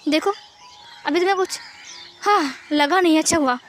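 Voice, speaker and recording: A woman acts out a protective middle-aged mother who fusses and scolds. The voice is high and chiding. Quiet music sits in the background. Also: normal speed, natural voice. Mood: scolding. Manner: scolding, fussing.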